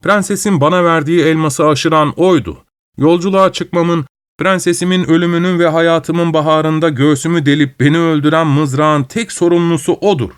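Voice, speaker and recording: Male reader voicing a distraught young lord, raised higher voice, agitated and pleading, audiobook. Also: fairly even intonation, moderate pace, smooth, no room sound, studio quality, lightly acted. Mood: frantic. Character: distraught young nobleman, frantic and indignant.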